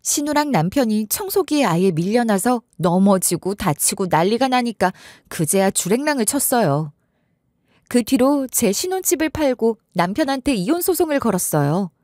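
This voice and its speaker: A woman narrating a true-life story in the first person, in a conversational, expressive way. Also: fairly high pitch, moderate pace, no echo, studio quality.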